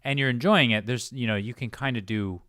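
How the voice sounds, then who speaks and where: A man's voice: mid-range voice, a little fast, bright, forceful tone, no room sound, studio quality. A man hosting a casual interview, talking informally with a joking, playful manner. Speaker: interview host.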